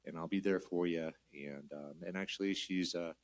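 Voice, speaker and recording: A man in his fifties appearing as a band guest, recounting a personal story thoughtfully. His voice is low for a man. He pauses and weighs his words. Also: steady tone. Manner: thoughtful, reflective. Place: live show venue.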